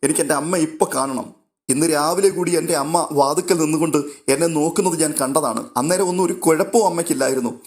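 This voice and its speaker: A man voicing a frantic middle-aged mother who pleads and wails in quick questions. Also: fairly high pitch, darkish tone, voice pushed up, close to an everyday voice. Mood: grieving.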